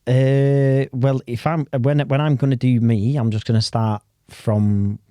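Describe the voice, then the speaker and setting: A man's voice: mid-range voice, steady tone, unhurried, dark tone, clear, resonant tone, no room sound, studio quality. A man from England co-hosting a podcast, talking in a reflective, loose way with casual fillers. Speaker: podcast co-host.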